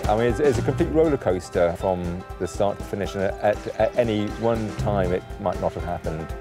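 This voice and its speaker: Man, lowish voice, plain, matter-of-fact, interview, music bed. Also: fairly quick. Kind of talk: documentary interview.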